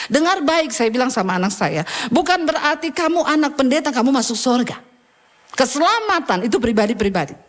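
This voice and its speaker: A middle-aged woman pastor, preaching a sermon emphatically and calling out to the congregation. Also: sits high.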